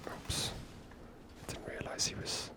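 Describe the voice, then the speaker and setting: A woman whispers breathily in a hushed, casual, musing way as she hosts an ASMR video game playthrough. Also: a little slow. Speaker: host of a gameplay series. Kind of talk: ASMR gameplay commentary.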